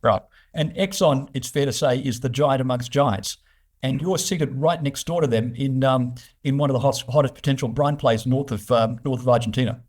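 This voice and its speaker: A man's voice: mid-range voice, normal speed, darkish tone. A man interviewing a guest on a business show, speaking conversationally with hesitant phrasing.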